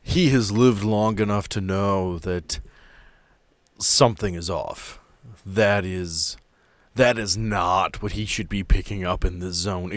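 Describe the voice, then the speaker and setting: Male game master, slightly deep voice, dry close recording, loose teasing tabletop narration. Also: dry recording. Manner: casual, sweary, teasing.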